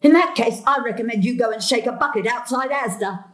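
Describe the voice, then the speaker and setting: A woman playing a sharp, gloomy elderly grandmother in an audio drama, blunt and querulous. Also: on the high side, fairly quick, natural voice. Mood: indignant. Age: older. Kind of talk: stage-thriller audio drama acting.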